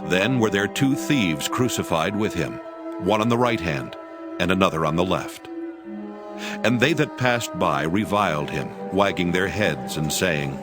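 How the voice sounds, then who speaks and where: A man's voice: low voice, expressive, a little slow, over music. A man narrating scripture as a dramatized reading.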